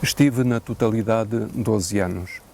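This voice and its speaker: Portuguese priest with a gravelly voice. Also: male voice, fairly low pitch, a little mellow, a little hiss or hum. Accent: European Portuguese. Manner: measured, thoughtful, with hesitant fillers and a dry joke now and then. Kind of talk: unscripted interview answers.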